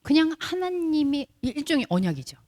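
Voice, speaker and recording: A woman's voice: sits high, very animated, fairly quick, darkish tone. A woman pastor preaching a sermon in church, talking conversationally and asking the congregation rhetorical questions.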